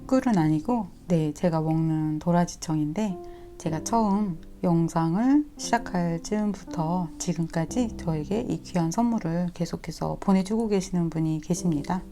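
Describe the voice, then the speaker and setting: A woman with a slightly sore throat giving a tarot reading, talking gently and coaxingly to her viewers. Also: fairly low pitch, moderate pace. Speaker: tarot reader. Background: soft instrumental music.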